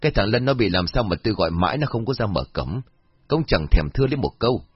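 A man voicing a calm, patient older village elder who reasons with others, in a storybook reading. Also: lowish voice, quick pace, breathy edge, no echo, muffled recording. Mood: complaining. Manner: patient, mildly puzzled, persuasive.

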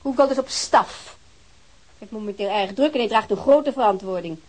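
A woman's voice: medium pitch, moderate pace, darkish tone, lightly acted. An actress playing a haughty, aristocratic woman who speaks coldly and scornfully. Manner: cold, scornful, disdainful. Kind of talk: radio play acting.

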